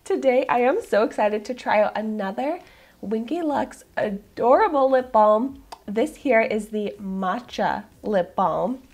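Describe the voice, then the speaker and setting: A woman in her thirties, hoarse from a cold, gushing and candid as she reviews a product to camera in a small room. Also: fairly high pitch, expressive, measured pace, darkish tone. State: hoarse, getting over a cold. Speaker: beauty vlogger. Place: small room in front of a floral backdrop.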